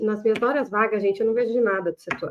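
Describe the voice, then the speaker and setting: The speaker has a Curitiba accent and fairly even intonation. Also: woman. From southern Brazil, Curitiba. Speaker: energy industry association executive. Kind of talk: podcast interview. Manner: casual, conversational.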